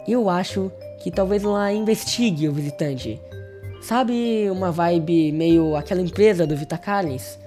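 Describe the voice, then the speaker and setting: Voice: mid-range voice, warm tone. A Brazilian host giving casual video essay commentary in an informal, conversational way, speaking directly to viewers. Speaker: host of a horror review channel.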